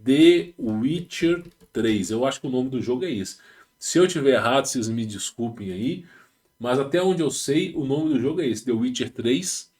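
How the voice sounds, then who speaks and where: On his home setup with rural internet, a Brazilian Portuguese–accented channel host reads a text and chats about it, veering into slangy tangents and frequent restarts. His voice is medium-pitched, expressive and somewhat dark, at a normal pace.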